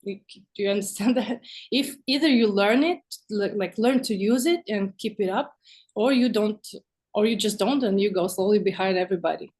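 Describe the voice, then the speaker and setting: A woman guest in a relaxed interview, speaking English as a second language. Her delivery is conversational and a little halting, with expressive phrasing and a medium pitch. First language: not English. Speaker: guest visual artist.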